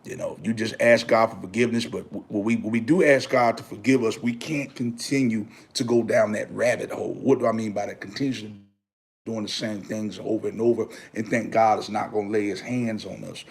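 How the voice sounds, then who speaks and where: A man's voice: on the low side, fairly even intonation, a little fast, breathy edge. A man in his thirties chatting on a livestream, preaching about faith and talking straight to viewers, repeating himself and calling them brother. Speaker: livestream host. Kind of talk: casual livestream chat.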